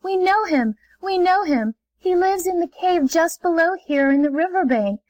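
A woman's voice: extremely high pitch, normal speed, fairly bright tone, no room sound, pitched above the performer's own voice, poor audio. A woman voicing a chorus of brave little stingrays, eager and defiant, in a storybook reading.

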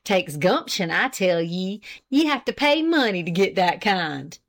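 A woman's voice: mid-range voice, big pitch swings, measured pace, fairly bright tone. A woman voicing a pompous, self-important old farmer husband with an indignant, boastful rural drawl.

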